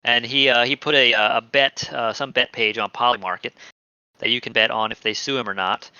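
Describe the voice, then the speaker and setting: A man hosting a casual crypto streaming show, chatty and animated, often laughing. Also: mid-range voice, a little fast, smooth, dry recording, lo-fi sound. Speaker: podcast host.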